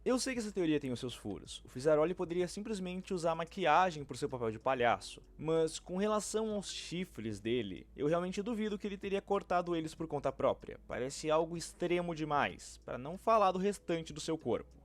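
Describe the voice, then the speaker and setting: Male, Brazilian accent, very high-pitched voice, scripted narration, online video narrator. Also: big pitch swings, a little fast, few pauses, faint music behind. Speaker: YouTube fan-theory narrator.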